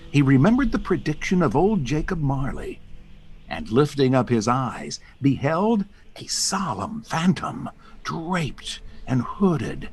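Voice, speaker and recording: A man playing a solemn storyteller, narrating a ghost tale dramatically. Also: medium pitch.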